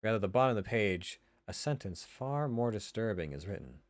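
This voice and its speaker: A man's voice: fairly low pitch, expressive, fairly quick, no echo, clean studio sound. A man narrating a visual novel aloud in an informal way, correcting himself as he reads.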